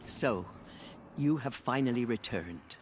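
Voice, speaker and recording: A man playing a calm, formal tribal priest who speaks in ceremonious phrases. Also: medium pitch, takes it slowly, noisy background.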